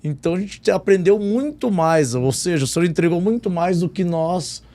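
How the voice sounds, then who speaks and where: A chatty man with a slightly high voice hosts a podcast interview. He was born in Jordan and raised in southern Brazil, and he talks casually, laughing often and correcting himself as he goes. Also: lively intonation, normal speed, dark tone. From born in Jordan, raised in Rio Grande do Sul. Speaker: podcast host, law professor.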